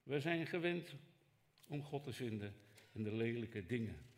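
A man preaching a sermon as pastor, emphatic and rhetorical, swinging from raised to hushed delivery and speaking straight to his listeners. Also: medium pitch, animated, unhurried. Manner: rhetorical, addresses listeners directly.

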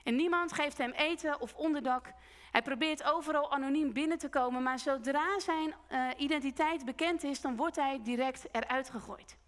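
A woman delivers a sermon in a high voice, carrying her congregation through a story at an earnest, unhurried pace. Her words linger in the long reverb of a church hall. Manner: slow, earnest retelling with quoted voices. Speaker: preacher.

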